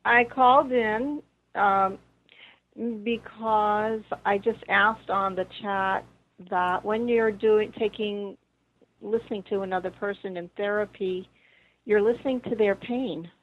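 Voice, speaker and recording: Halting woman caller on a phone line. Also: mid-range voice, steady tone. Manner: hesitant, halting with restarts. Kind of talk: phone-in question.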